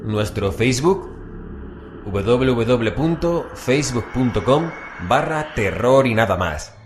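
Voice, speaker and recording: A man's voice: mid-range voice, expressive, slow pace, a little hiss or hum. A man co-presenting a horror radio show with scripted announcements.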